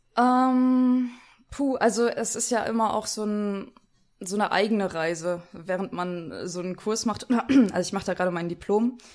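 In a very clean recording with a silent background, a woman with an ordinary speaking voice talks at a moderate pace with ordinary pitch variation. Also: fairly high pitch for a woman. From northern Germany. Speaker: singer and vocal coach. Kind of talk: interview.

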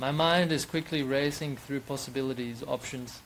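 A man keeps to a moderate pace and fairly even intonation while light background noise runs underneath. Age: 30s. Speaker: dream group participant. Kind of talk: reading aloud own dream. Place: home room.

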